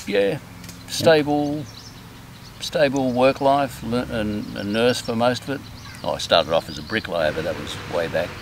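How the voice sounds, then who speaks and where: Lively intonation comes through in an Australian accent at a fairly slow pace, with long, frequent pauses. Background noise is noticeable. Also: man, medium pitch for a man. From Australia, Adelaide. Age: 60s. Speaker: war veteran. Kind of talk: casual interview. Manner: halting.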